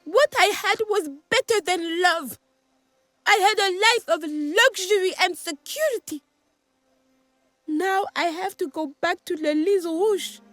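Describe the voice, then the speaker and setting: High-voiced, melodramatic scornful young woman. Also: a little slow, fairly bright tone, no room sound. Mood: bitter, scornful. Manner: melodramatic, emphatic. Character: fiery, scornful young woman, kept lover of a gangster. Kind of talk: dramatic video game acting.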